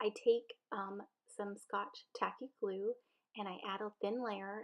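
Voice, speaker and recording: A soft-spoken woman talks. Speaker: scrapbooking crafter. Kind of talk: craft tutorial narration.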